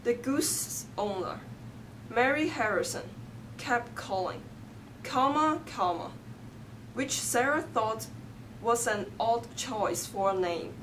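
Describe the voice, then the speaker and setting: A woman's voice: on the high side, animated, takes it slowly, fairly bright tone, slight background noise, poor audio. A woman in her twenties from Hong Kong, with a Hong Kong English accent and Cantonese as her first language, reading a passage aloud and then answering interview questions with fillers and self-corrections. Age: 20s.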